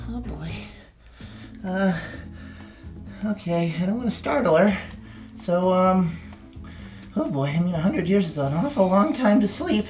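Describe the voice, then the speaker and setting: A performer voicing an eager, awkward young puppet prince in a children's story sketch, hesitant, rambling and apologetic. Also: medium pitch. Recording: roomy sound with music behind.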